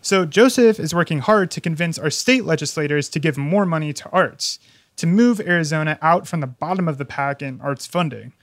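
A man narrating a news feature as a reporter, steady and measured. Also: a little high, no room sound, studio quality.

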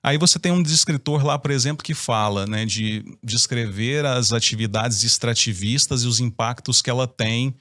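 A man's voice: mid-range voice, moderate pace, few pauses, fairly bright tone, no room sound. Opinionated Brazilian man, dry sound. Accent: Brazilian Portuguese. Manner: explanatory, opinionated. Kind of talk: casual discussion.

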